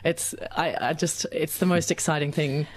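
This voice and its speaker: A woman's voice: low voice, little pitch movement, moderate pace, a little hiss or hum. A woman singer guest on a radio show, enthusiastic and searching for words with many fillers. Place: radio studio.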